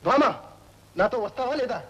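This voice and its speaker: An actor playing a proud, angry young husband who speaks defiantly and sermonizes, with a husky voice in old film melodrama style. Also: male voice, very high voice, fairly quick, fairly bright tone, lo-fi sound.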